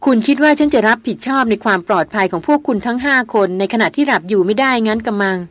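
A woman's voice: fairly high pitch, animated, fast, dry recording. A woman voicing a proud, headstrong young noblewoman who speaks firmly and insistently in an audiobook. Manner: firm, insistent.

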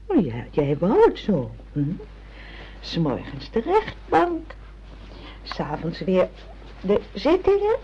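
A woman's voice: mid-range voice, wildly swooping pitch, warm tone, muffled recording, slight background noise. An actress playing a sensual wife who intimately coaxes her husband in a radio play. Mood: coaxing. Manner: slow, intimate, cajoling. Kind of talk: radio play acting in Dutch.

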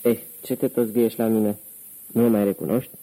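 A man reading an audiobook, voicing a calm, commanding man who poses as a mob boss and gives curt orders. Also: on the low side, rough recording.

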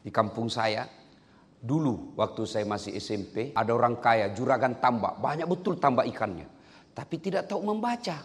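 A man from Indonesia giving a joking sermon, animated and breaking into loud, high bursts. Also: normal speed, long reverb tail. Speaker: preacher. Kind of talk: comedic sermon.

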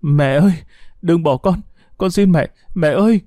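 A man's voice: animated, moderate pace, mellow, dry recording, studio quality. A man voicing a small heartbroken boy. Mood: wailing. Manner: pleading, crying out in high voice. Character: young grieving boy, Đức.

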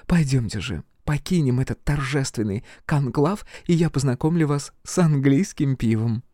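A male reader voicing a shrewd older dowager duchess, gracious and gently commanding. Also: mid-range voice, animated, normal speed, dry recording, clean studio sound, pitched above the performer's own voice, lightly acted. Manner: warm, grand, gently commanding.

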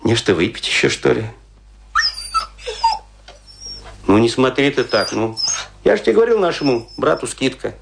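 An actor playing a boastful, aggrieved, tipsy provincial stage player, declaiming with grandiose self-pity and dramatic pauses in a radio play. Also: male voice, mid-range voice, big pitch swings, gravelly, noisy background. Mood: tipsy, pleading. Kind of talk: theatrical radio play monologue.

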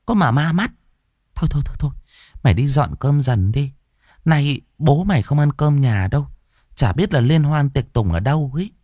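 A man's voice: a little high, lively intonation, moderate pace, no echo, voice pushed up. A man voicing a fretful, scolding middle-aged mother in a spoken horror story. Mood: dismissive. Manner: nagging, sharp-tongued.

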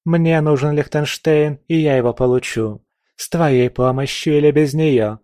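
A man's voice: mid-range voice, unhurried, dry recording, clean studio sound, pitched above the performer's own voice, lightly acted. A man voicing a haughty, scornful young princess who mocks and barks orders. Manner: mocking, imperious, shouting.

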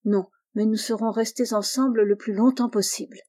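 A woman reading the part of a devoted, affectionate young man, speaking softly and earnestly. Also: high voice, fairly even intonation, moderate pace, close to an everyday voice.

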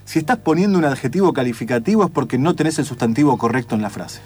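A man with a Rioplatense Spanish accent, hosting a casual conversation with quick, joking interjections. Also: medium pitch, expressive, darkish tone, breathy edge.

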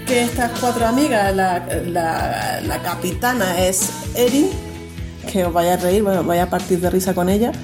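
A woman hosting a relaxed radio chat, chatty and quick to laugh, often starting a sentence over. Her voice sits at an ordinary middle pitch. Music plays clearly beneath her. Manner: chatty, laughs easily, many restarts. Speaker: radio host. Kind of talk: casual radio chat reviewing a series.

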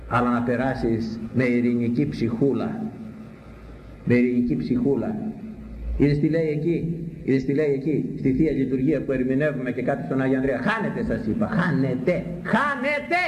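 A man preaching a sermon, repeating words for emphasis and swinging between high exclamations and low, grave phrases. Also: expressive. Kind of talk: sermon on a Bible passage. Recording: echoey hall, faint background noise.

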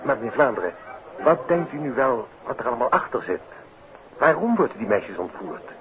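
A man's voice: medium pitch, big pitch swings, brisk, close to an everyday voice. Guy playing polite emphatic gent, fifties radio drama, thin tinny sound, people chattering in the back. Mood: shocked, concerned. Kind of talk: 1950s Dutch radio drama acting. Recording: thin old radio, crowd murmur behind.

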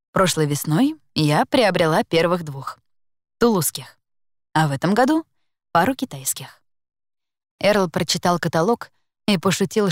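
A woman narrating a first-person story in a calm, measured, reflective reading. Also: fairly low pitch, dry recording, studio quality. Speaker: audiobook narrator.

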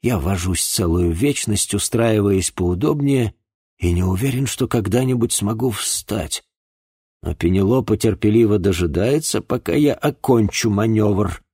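A man narrating a first-person audiobook in an expressive, measured reading. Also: lowish voice, breathy edge, no echo, clean studio sound.

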